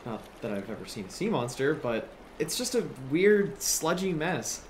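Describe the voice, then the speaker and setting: A man's voice: on the high side, big pitch swings, normal speed. A man playing a goofy, carefree young handyman in an audio drama, with a casual, breezy delivery. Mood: puzzled, grossed out. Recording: outdoor water ambience, faint noise.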